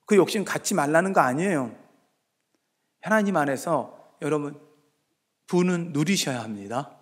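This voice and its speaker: A male pastor delivers a sermon in a church sanctuary, his somewhat high voice carried by the room's long reverb. He swings from hushed asides to loud, emphatic exhortation, at times acting out his congregants' voices in dialogue.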